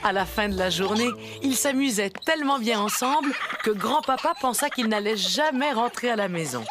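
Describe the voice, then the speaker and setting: A woman's voice: fairly high pitch, expressive, moderate pace, over music, lightly acted. A woman voicing a kindly grandmother narrating a children's cartoon like a storybook. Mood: engaging.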